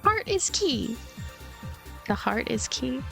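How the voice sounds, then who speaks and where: A woman's voice: sits high, big pitch swings, slow, creaky, pushed and bright, heavily acted. A woman voicing a stern, demanding old woman in a visual novel, with a commanding manner. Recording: music behind the voice.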